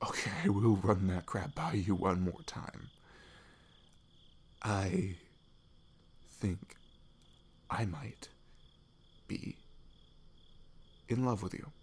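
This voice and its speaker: Man acting a husky, hesitant sweet best friend. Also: sits low, lively intonation, heavily acted. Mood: nervous, tender. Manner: hesitant, halting, slipping into whispers. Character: sweet, nervous young man confessing love to best friend. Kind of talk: intimate ASMR roleplay.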